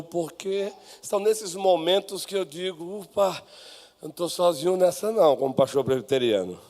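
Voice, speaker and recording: A man with a Brazilian Portuguese accent, a pastor preaching an expository sermon, moving from soft asides to shouted exclamations and leading his congregation in reading together. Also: on the high side. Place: church sanctuary. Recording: long reverb of a church hall.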